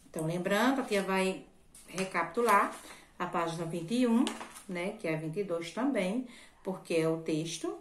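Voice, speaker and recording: A woman's voice: lowish voice, slight background noise. Patient woman teacher, echoey room. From Brazil. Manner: patient, repetitive, checks in with "certo?". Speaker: primary school teacher. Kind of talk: recorded remote lesson for children.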